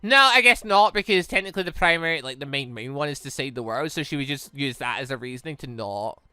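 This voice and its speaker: Bright, animated man reacting to a game. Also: medium pitch, fast talker, clean tone, no room sound, clean studio sound. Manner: animated, casual, exclamatory reactions. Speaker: gamer reading a visual novel aloud. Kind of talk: let's play commentary with read-aloud dialogue.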